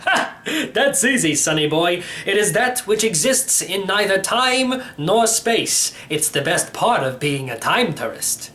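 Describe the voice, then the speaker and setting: A man's voice: sits high, very animated, a little slow, sharp tone, full character voice. A man voicing an elderly, slightly crazy uncle in a storybook, rambling and teasing with theatrical emphasis. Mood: proud, rambling. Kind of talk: acted storybook reading.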